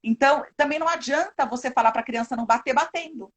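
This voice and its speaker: A woman's voice: high voice, fast. A woman with a Brazilian accent, a parenting educator chatting earnestly on a live video call and acting out quoted lines. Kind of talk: casual live chat.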